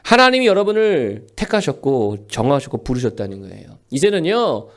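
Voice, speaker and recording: A man in his forties preaching a sermon as a pastor, emphatic and animated, asking rhetorical questions. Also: mid-range voice, normal speed.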